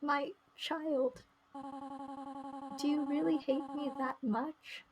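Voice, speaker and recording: A woman voicing a gentle, protective monster mother from a visual novel, tender and halting. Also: high-pitched, fairly even intonation, a crowd in the background. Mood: hurt, dying.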